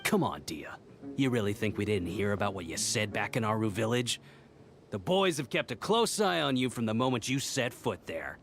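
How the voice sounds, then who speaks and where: Sly, animated tavern schemer. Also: male voice, on the low side, soft background music. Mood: taunting, menacing. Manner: chuckling, drawn-out, mock-friendly. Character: sly, falsely jovial male tavern regular turned taunting ambusher. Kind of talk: video game voice acting.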